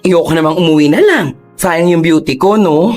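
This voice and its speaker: A man's voice: on the high side, normal speed, darkish tone, faint music behind, close to an everyday voice. A man voicing a flamboyant, dramatic young gay man who talks in campy slang. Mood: disappointed. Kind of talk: radio drama acting.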